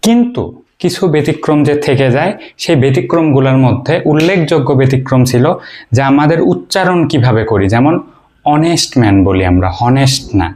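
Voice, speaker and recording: This Bangladeshi English teacher speaks fast at a medium pitch, with lively intonation and a darkish tone, in an informal video lecture. Working in a question-and-answer style, he asks things and answers them himself, explaining step by step amid frequent hesitations and fillers.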